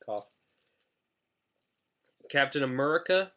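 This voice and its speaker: A man's voice: mid-range voice, lively intonation, slow pace, background noise. A man chatting casually in a rambling, self-deprecating way while reviewing a toy on his webcam at home. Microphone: webcam mic.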